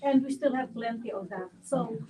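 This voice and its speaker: Woman, Filipino accent, high voice, community advocate asking from the audience, distant microphone. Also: normal speed, dark tone. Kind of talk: spontaneous question from the floor.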